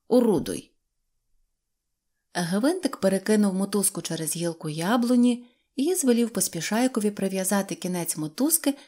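A woman narrating a children's audiobook in an expressive storytelling manner. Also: mid-range voice.

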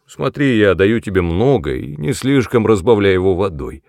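A man voicing a crude, bullying middle-aged man who talks loudly and mockingly, with a creaky voice. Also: fairly low pitch, big pitch swings, moderate pace, dry recording, clean studio sound. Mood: gruff, mocking. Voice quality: loud, gruff, mocking.

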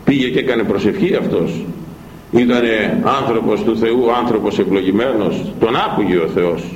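A man's voice: on the low side, slight background noise. A man preaching a sermon, emphatic and repetitive, hammering his points with rhetorical questions. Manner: emphatic, repeats phrases, fires rhetorical questions. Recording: echoey room.

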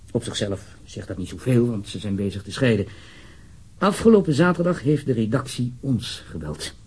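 A self-important ministry official in a radio drama. He speaks in a very husky, rough voice, with fussy, pompous emphasis. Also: mid-range voice, darkish tone. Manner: fussy, emphatic, halting, swearing.

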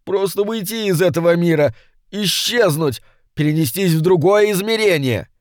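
A man voicing a desperate, whining minor male demon, pleading in a strained high voice for an audiobook. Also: moderate pace, no room sound, studio quality, natural voice. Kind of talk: audiobook character voice.

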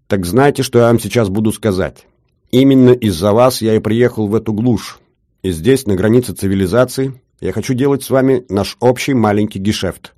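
A man's voice: on the low side, a little fast, mellow, no echo, studio quality, lightly acted. A man voicing a shrewd older jeweler with an Odessa accent, talking in a wheedling, sing-song bargaining patter. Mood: scheming. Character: shrewd older male jeweler, haggling, fussy.

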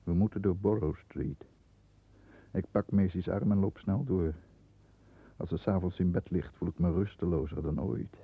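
Deep, gravelly, stern lawyer. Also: male voice, no room sound, full character voice. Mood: brooding, uneasy. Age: middle-aged. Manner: formal, measured diction. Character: stern, proud male lawyer protecting the family name. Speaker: actor in a radio drama. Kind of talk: 1960s Dutch radio play acting, first-person narration and dialogue. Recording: muffled, thin 1960s radio recording.

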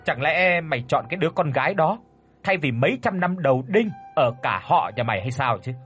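A man's voice: a little high, big pitch swings, a little fast, a bit bright, breathy edge, soft background music, exaggerated voice. A man voicing a cruel, contemptuous village sorcerer in a spoken horror story. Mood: scornful. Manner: harsh, contemptuous.

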